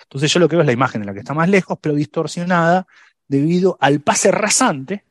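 A man's voice: a little high, animated, a little fast, no echo, clean studio sound. A man on a science podcast, explaining black holes in casual chat, thinking aloud with fillers and restarts.

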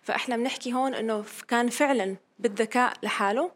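A woman's voice: fairly high pitch, quick pace. Levantine woman raising a counterpoint. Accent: Levantine Arabic. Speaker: discussion participant. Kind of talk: casual podcast discussion.

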